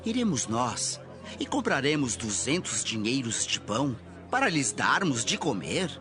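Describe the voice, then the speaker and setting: Incredulous biblical disciple, male actor, mid-pitched, bright and tense, faint music underneath. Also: big pitch swings, measured pace. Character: incredulous male disciple questioning his master. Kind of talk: dramatized audio Bible acting. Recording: music behind.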